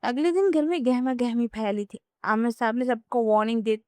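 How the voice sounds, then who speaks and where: Clear-voiced woman narrating a novel. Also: on the high side, lively intonation, mellow, dry recording. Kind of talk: scripted audiobook narration.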